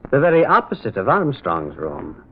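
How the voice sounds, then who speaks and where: An actor playing a mild priest and amateur detective who muses and gently insists, in old-time radio drama style. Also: male voice, mid-range voice, wildly swooping pitch, moderate pace, husky. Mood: probing, wry. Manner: hesitant, musing, gently insistent. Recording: noisy, tinny vintage radio recording.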